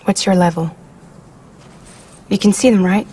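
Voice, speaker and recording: An actress playing a guarded young female courier who talks in dry, clipped, quietly wry lines, in a video game cutscene. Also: mid-range voice, fairly even intonation, unhurried, a little hiss or hum, natural voice. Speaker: courier company leader. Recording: game cutscene with loud score.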